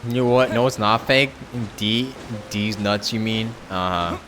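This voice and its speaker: A man's voice: fairly low pitch, unhurried, fairly bright tone, slight background noise. A man live-streaming a game with casual, sweary, joking commentary to his chat, often exclaiming.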